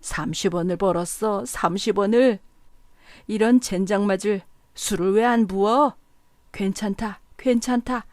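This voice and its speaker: A woman's voice: medium pitch, a little slow, a little mellow, no echo, studio quality, close to an everyday voice. Woman voicing a drunk bellowing rickshaw man. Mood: drunk angry. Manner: bellowing, cursing, slurring boasts.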